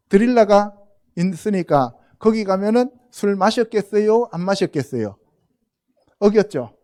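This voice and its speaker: A man's voice: high-pitched, mellow. A man preaching a Sunday sermon as pastor, often asking the congregation rhetorical questions and calling on them directly. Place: church sanctuary.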